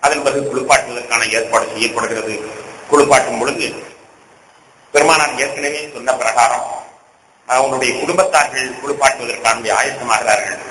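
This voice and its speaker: A man's voice: medium pitch, steady tone, moderate pace, sharp tone, echoey room, slight background noise, low-quality recording. A man preaching a storytelling sermon, retelling events with emotion that rises into impassioned pleas.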